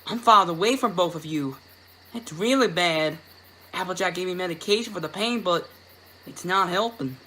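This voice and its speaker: Man as little girl pony, high-pitched, anxious, pleading folksy drawl, horror storybook reading, faint noise. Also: moderate pace, bright, forceful tone, low-quality recording. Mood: pained, worried. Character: anxious young country filly pony, high and pained.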